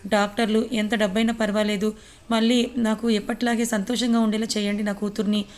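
A woman's voice: mid-range voice, level tone, fairly quick, natural voice. A woman voicing a distraught middle-aged father, anguished and pleading.

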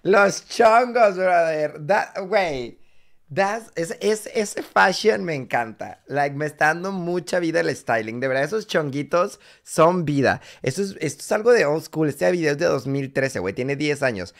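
A man's voice: on the high side, lively intonation, moderate pace, vocal fry. A man with a Mexican Spanish accent hosting a live reaction video, talking in a flamboyant, campy, exclamatory way.

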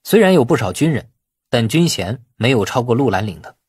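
A man's voice: mid-range voice, big pitch swings, a little fast, darkish tone, slightly rough, no echo, clean studio sound. A man narrating a novel as a scripted audiobook.

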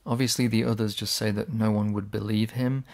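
Gravelly-voiced man, sarcastic video essay. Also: on the low side, level tone, fairly quick, a little mellow. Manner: sarcastic and blunt, swears when annoyed. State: voice slightly worn. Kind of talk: casual video essay commentary.

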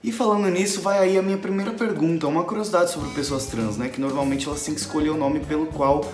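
A man's voice: a little high, steady tone, fast, music in the background. A young Brazilian man hosting a video, playful and teasing with the viewers, speaking with a Brazilian Portuguese accent from a home office. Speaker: host. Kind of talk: upbeat video host intro. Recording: roomy room sound.

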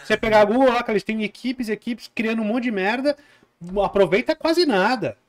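Casting: man in his forties, podcast host, high voice, blunt casual talk, close boom mic in a small studio. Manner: frank, swears casually, quick interjections.

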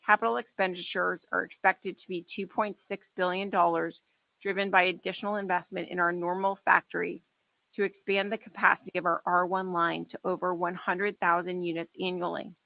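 A woman in a formal, measured manner reading a scripted earnings call presentation as a finance executive. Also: on the low side, little pitch movement, gravelly, no room sound. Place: conference call webcast. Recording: dull, band-limited webcast audio.

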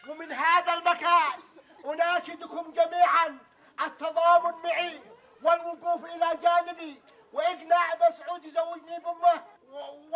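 A man's voice: very high voice, pushed and bright. An actor playing a stubborn old man desperate to remarry, speaking with a Yemeni accent and pleading like he is giving a speech. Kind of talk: comedy sketch acting.

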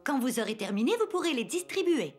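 A woman's voice: high-pitched, big pitch swings, quick pace, slightly rough, faint music behind, heavily acted. A woman voicing a kind, encouraging daycare teacher talking to small children in a cartoon.

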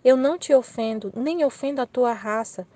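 A calm, patient Jesus speaks in a soft, even voice, read by a Brazilian woman. The voice sits fairly high and the recording is dry and close. There is no room sound behind it. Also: normal speed, no echo, lightly acted. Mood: gentle. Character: gentle patient Jesus, grown man, calm teacher.

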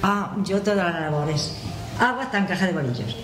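A woman's voice: lowish voice, expressive, moderate pace. An older woman from La Mancha with a Manchego Spanish accent, chatting as a guest and reminiscing in a casual, storytelling way at a table mic. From La Mancha, Spain. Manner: chatty, reminiscing, laughs at herself. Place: community hall with audience. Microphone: table mic on stand. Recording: roomy hall, audible noise.

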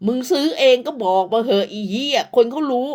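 Woman, high-pitched, profane scolding rant, crude insults, repeated short tags. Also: animated, fairly quick, darkish tone. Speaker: online commentator. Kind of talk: profane rant at rival creators.

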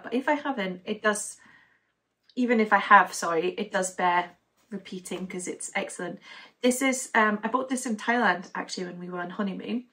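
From her living room, a young Danish woman who hosts a knitting podcast rambles cheerfully to the camera, filling her casual chat with "um"s. Her tone is fairly bright, and her pitch is an everyday middle range for a woman.

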